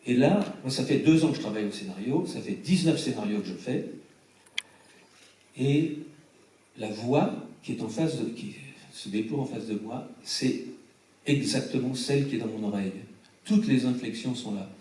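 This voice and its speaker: A film director telling lively anecdotes to a cinema audience, acting out the voices of the people he quotes. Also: mid-range voice, normal speed, slight background noise. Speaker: film director presenting his film. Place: large cinema hall before a screening. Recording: very echoey hall, voice from far off.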